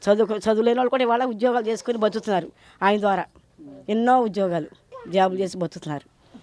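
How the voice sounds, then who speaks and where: Woman voter, earnest, list-like delivery, mid pitch. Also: quick pace, darkish tone. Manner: earnest, listing benefits one by one. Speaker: interviewed voter. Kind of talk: street interview.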